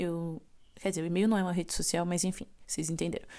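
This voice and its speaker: A dark, mellow tone. The recording is very clean, with a silent background. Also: woman. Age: 20s. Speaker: podcast host. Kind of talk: casual solo monologue.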